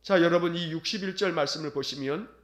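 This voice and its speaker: High-voiced earnest Korean pastor. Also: male voice, roomy sound. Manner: earnest, solemn preaching with slow, tender quoted lines. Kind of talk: sermon.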